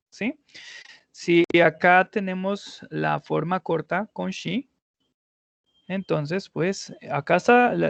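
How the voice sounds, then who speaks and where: A man's voice: high voice, gravelly, no echo. A male English teacher explaining grammar in an online class, patiently going step by step and often checking in with his students.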